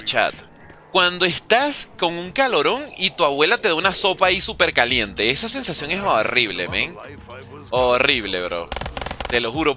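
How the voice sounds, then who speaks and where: A man talks through a live game session, teasing his viewers and riffing on their messages. His voice sits a little high and sounds very bright and sharp, with lively rises and falls. Soft music plays faintly behind him. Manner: chatty, teasing, animated. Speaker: game streamer. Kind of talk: casual live gameplay commentary, reading chat.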